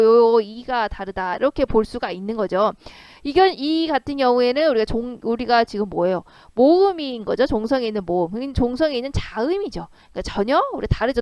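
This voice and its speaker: Bright-voiced woman teaching a grammar lesson. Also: fairly high pitch, dry recording. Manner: lively, asks and answers her own questions. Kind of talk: grammar lesson explaining exercises.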